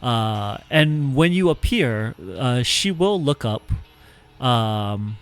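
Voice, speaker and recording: A man narrates as game master, his pitch swinging up and down as he describes the scene. He stops often for little fillers and restarts. Soft music plays quietly behind him. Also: expressive. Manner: halting, filler-heavy narration. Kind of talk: narrating an online tabletop game.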